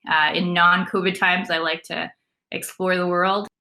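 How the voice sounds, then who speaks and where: A woman's voice: fairly low pitch, level tone, unhurried, bright, forceful tone. A woman in her thirties who grew up in Venezuela with Spanish as her first language, introducing herself on a conference panel in a reflective way with many ums. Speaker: panelist, product lead.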